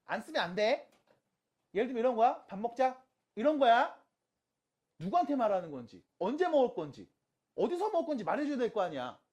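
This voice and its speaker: A math teacher lectures high school students online, with a voice that swings widely up and down in pitch. The teacher keeps checking in with quick rhetorical questions and slows right down to repeat each key step. Casual and polite speech alternate throughout. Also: very animated, a little mellow. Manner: repeats key steps slowly and emphatically.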